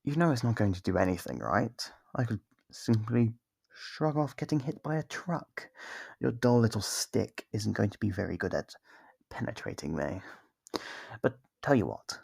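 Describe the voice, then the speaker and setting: An actor voicing a smug, possessive, centuries-old vampire in an ASMR roleplay, slow and condescending, with a gravelly, husky voice and whispered phrases. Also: mid-range voice, animated, a little mellow, no echo. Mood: mocking. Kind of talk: ASMR roleplay monologue to the listener.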